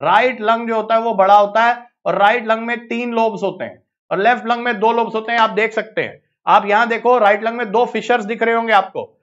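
A man with an Indian accent teaching biology in a live online exam-prep lecture, brisk and coaxing, repeating phrases to hurry his students along. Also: high voice, fairly even intonation, fairly bright tone. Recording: slightly dull lo-fi audio.

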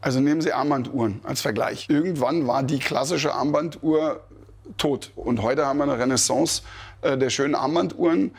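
A man's voice: mid-range voice, fairly quick, breathy edge, faint music behind. A man in his fifties answering interview questions thoughtfully, with many hesitations, in a barrel cellar. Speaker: traditional brewer.

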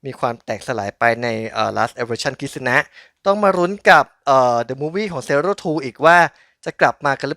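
Male unboxing host, bright tone, dry sound. Chatty, polite, informal hands-on commentary, thinking out loud. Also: a little high, no room sound. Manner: polite, chatty, thinking aloud while handling objects. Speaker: host of a collectible toy unboxing channel.

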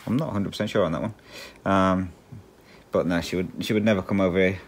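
A man's voice: low-pitched, steady tone, fast talker. A middle-aged Englishman with a slight Australian twang, chatting casually and rambling while he cross-stitches, with frequent ums and chuckles. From England. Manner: rambling, chuckles often, many ums and restarts.

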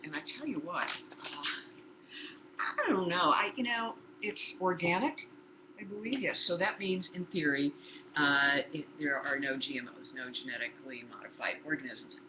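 A woman in her sixties giving a chatty home cooking demonstration in her kitchen, explaining each step to the viewer. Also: deep voice. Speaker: cooking instructor. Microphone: laptop built-in mic. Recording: roomy, dull lo-fi laptop sound with background noise.

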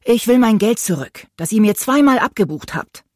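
Short-fused ferryman in an audiobook, played by a woman narrator: exasperated, loud, cursing. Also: fairly low pitch, sing-song, moderate pace, no room sound, studio quality. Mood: fed up. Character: grumpy, blustering male ferryman, middle-aged.

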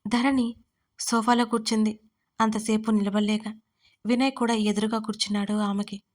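A woman narrating an audio story in a steady storytelling manner. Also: a little high, moderate pace. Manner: steady storytelling, reads every character's lines.

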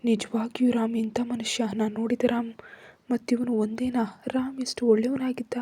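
A woman narrating a first-person dramatic story in a soft, often whispery voice, voicing the characters' lines herself. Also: a little high, flat delivery, moderate pace, husky.

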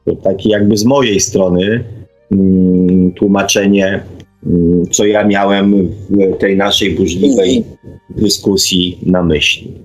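A man hosting a reflective radio discussion, speaking haltingly and often adding tag questions. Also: sits low, fairly even intonation, faint music behind, poor audio.

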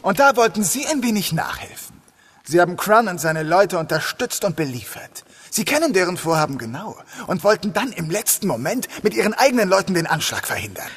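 An actor playing a determined detective inspector in a crime radio play, assertive and deliberate. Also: male voice, sits high, sing-song, a bit bright, breathy edge, heavily acted. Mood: insistent. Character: determined, confrontational male police detective inspector. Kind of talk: German crime audio drama acting.

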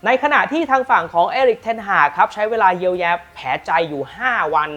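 A man hosting a football news channel, telling the latest transfer stories with lively emphasis and then pitching rare team shirts. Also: fairly quick, faint music behind. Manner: lively, emphatic storytelling with frequent polite particles. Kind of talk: energetic football news commentary and product pitch.

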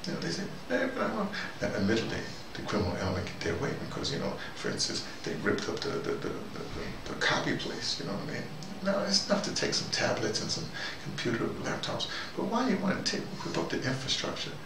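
An older man with a gravelly voice giving a rambling, conversational spoken commentary, circling back and repeating words as he goes. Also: mid-range voice, quick pace, hardly any pauses. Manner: digressive, repeats words, conversational, animated asides. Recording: roomy, distant mic, noticeable background noise.

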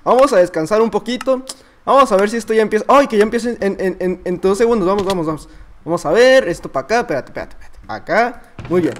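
A man playing an excitable Mexican little boy. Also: high voice. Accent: Mexican Spanish. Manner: childish, excitable, chattering to himself. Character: boastful, naive little boy gamer. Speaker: gamer. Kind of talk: comedic gameplay commentary.

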